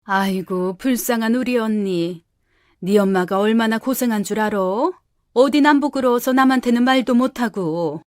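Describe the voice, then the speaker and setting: A scolding old aunt with a coarse, grumbling tongue, as a woman acts her out. The voice sits a little high and sounds close and dry, with no room around it. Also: normal speed, darkish tone, no room sound, close to an everyday voice. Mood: indignant. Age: older. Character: woman playing the aunt, older, blunt and scolding.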